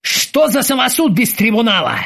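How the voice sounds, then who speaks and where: A man voicing a ship captain with a husky voice and dry, sarcastic commands. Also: very high-pitched, huge pitch swings, moderate pace, a bit bright, pitched above the performer's own voice, heavily acted. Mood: stern.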